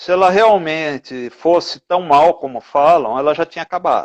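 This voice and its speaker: In a dry, close sound with no echo and a quiet background, a man talks at a fairly slow pace. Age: 60s. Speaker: writer and literature professor. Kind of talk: interview conversation. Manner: halting, many fillers and restarts.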